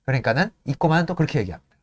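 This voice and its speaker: Hosting a casual show, a man retells the scenes of a play and acts out its characters' lines in quick voices. He is lively, breaking into laughter and apologizing. His pitch sits fairly high, with no echo on the recording.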